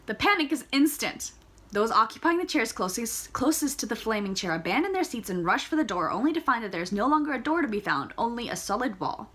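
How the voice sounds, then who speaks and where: A woman's voice: fairly high pitch, sing-song, fairly quick, fairly bright tone. A woman reads a novel aloud in a casual way. She often stumbles and corrects herself, and she adds playful side comments of her own. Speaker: audiobook reader.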